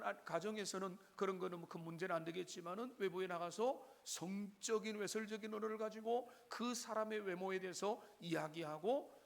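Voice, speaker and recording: A man's voice: high voice, gravelly. A male pastor delivering a Sunday sermon in a church, talking straight to the congregation and asking them rhetorical questions. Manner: preaching with frequent direct address to the congregation and rhetorical questions. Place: church sanctuary.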